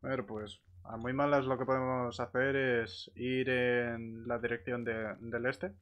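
A man's voice: medium pitch, flat delivery, a little slow, dull audio. A man speaking in a hesitant, stammering way, improvising in-character chat during a roleplay game. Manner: hesitant, stammering, repeats words. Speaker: player in online roleplay group.

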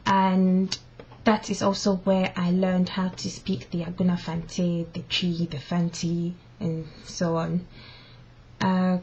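Slow-talking young woman on webcam. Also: medium pitch, darkish tone. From born in London, part raised in Ghana. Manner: slow, thoughtful, reads questions aloud. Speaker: vlogger. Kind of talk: casual talk to webcam, mixing English and Fante. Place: living room at home, indoors. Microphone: built-in webcam mic. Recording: dull lo-fi webcam audio.

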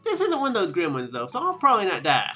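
A man's voice: sits high, huge pitch swings, fast talker, sharp tone, slightly rough, soft background music. A man hosting a let's play with casual, rambling, joking commentary.

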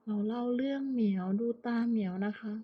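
A woman from Thailand chatting casually and politely to viewers as a pet owner, in an unhurried, coaxing manner. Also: a little high, breathy edge. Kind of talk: casual chat to viewers while watching her pet cat. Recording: muffled, lo-fi, phone-like narrow sound.

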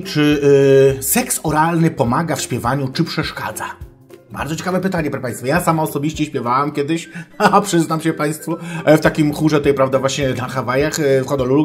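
A man's voice: a little high, close to an everyday voice. A man playing a pompous, crude self-styled female sex therapist, lecturing in mock-scholarly tones and swearing, over faint background music. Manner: mock-scholarly lecturing, keeps addressing the audience formally, swears. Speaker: advice-show host. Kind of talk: comic character monologue.

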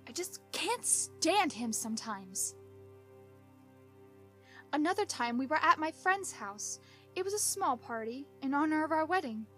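A woman plays a sentimental cartoon pony wife with a fairly high voice. She confides dramatically, as in a fan audio drama, exasperated yet adoring, with music playing behind her. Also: big pitch swings, a little slow, pauses often, pushed and bright, heavily acted.

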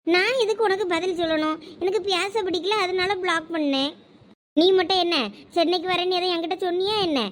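A woman's voice: very high voice, fairly even intonation, a little fast, slight background noise. A woman voicing a young college girl in a cartoon, anxious and stubborn, insisting and pleading. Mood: worried.

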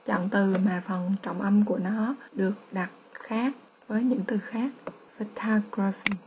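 A woman's voice: mid-range voice, steady tone, unhurried, darkish tone, slight background noise, low-quality recording. A woman English teacher with a Vietnamese accent, patiently explaining test answers and repeating each word.

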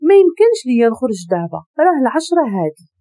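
A woman's voice: sits high, sing-song, rapid-fire, warm tone, dry recording, clean studio sound. A woman voicing a shy young Moroccan girl in love. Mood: longing.

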